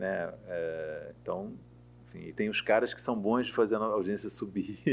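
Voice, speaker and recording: Big swings in loudness mark this man's speech, his pitch fairly low. He keeps a moderate pace with ordinary pitch variation. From Rio de Janeiro, Brazil. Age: 60s. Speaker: journalist and TV critic. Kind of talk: interview. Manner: halting.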